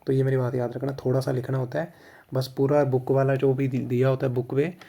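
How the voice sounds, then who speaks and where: A man's voice: mid-range voice, little pitch movement, a little fast, creaky, dark tone. Indian man explaining a lesson plan. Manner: repeats "theek hai" to check understanding. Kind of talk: casual instructional explanation mixing Hindi and English.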